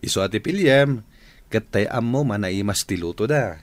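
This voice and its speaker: A man's voice: on the low side, animated, measured pace, a little hiss or hum. An actor playing a polite male engineer visiting a village eatery, easily surprised. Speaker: engineer Larry. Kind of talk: Ilocano radio drama acting.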